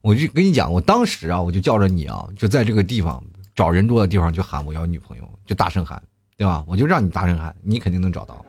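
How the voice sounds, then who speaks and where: Joking male host with lively pitch. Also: fast, slightly rough. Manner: joking, teasing, often laughing. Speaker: radio host reading listener messages. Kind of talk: casual chat show.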